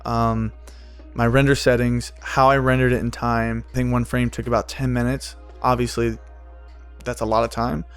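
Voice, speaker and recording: A man's voice: medium pitch, little pitch movement, normal speed, clean tone. Rambling casual man, faint music behind. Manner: rambling, loose, with many fillers and restarts. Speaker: animator and video creator. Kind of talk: casual behind-the-scenes walkthrough.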